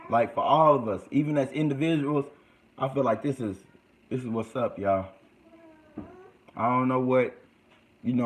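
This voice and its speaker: A young man with a mixed Texas and California accent, talking casually to viewers on a livestream, slangy and calling them y'all. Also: mid-range voice. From United States. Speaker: livestream host.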